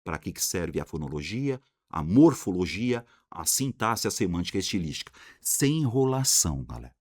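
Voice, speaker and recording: A man with a Brazilian accent giving an energetic grammar lesson, talking in slang and answering his own questions. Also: sits low, normal speed, dry recording, studio quality. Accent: Brazilian Portuguese. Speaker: Portuguese grammar teacher.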